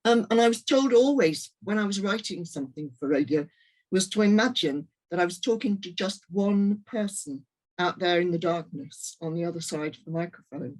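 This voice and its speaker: A woman's voice: lowish voice, moderate pace, rough recording. Thoughtful woman, reflective talk. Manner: thoughtful, repeats phrases. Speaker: writer.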